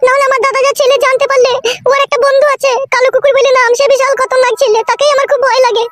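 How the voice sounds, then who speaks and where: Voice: very high voice, little pitch movement, racing. A performer voicing a timid young village girlfriend in a cartoon comedy who pleads nervously. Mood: coy. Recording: loud background noise.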